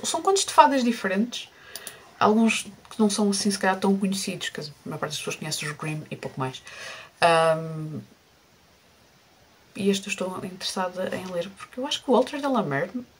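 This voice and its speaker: A woman's voice: fairly low pitch, a little hiss or hum. A woman with a European Portuguese accent chatting casually and unscripted about books, hesitating and rephrasing as she goes. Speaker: book vlogger. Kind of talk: casual unscripted book chat.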